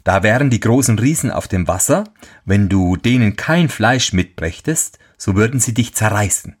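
A wise, kindly talking white horse from a storybook, put on by a man reading aloud. The voice sits a little above the reader's own husky low tone and swings through a lively melody while giving calm advice. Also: moderate pace. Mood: advising.

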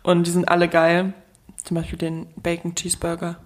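A young woman, co-hosting a podcast, chatting casually and relaxed with many fillers. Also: on the low side, normal speed. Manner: relaxed, colloquial, lots of fillers. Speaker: podcast co-host. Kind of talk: casual chat.

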